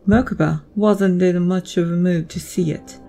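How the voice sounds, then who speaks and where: Female narrator, lower register, scripted dramatic storytelling with music underneath. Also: fairly even intonation, moderate pace, mellow.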